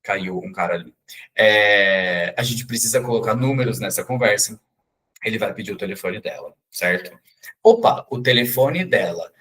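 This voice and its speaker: A man's voice: fairly low pitch, animated, normal speed, a bit bright, slightly rough. A man teaching an English pronunciation class in a chatty, joking way, explaining sounds step by step. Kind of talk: casual online class.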